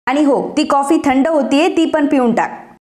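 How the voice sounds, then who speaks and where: A woman's voice: high voice, moderate pace, a little mellow, natural voice. A woman reading a bossy scolding young wife. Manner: scolding, commanding.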